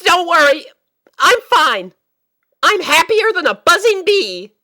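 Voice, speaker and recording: An anxious little cartoon filly, acted by a woman, with a high, bright voice that swings widely in pitch. The filly speaks in an earnest, hesitant way, like a storybook child in love, in a space with long reverb. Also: big pitch swings, slow pace, full character voice. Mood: falsely cheerful. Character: anxious lovestruck little pony filly, young girl.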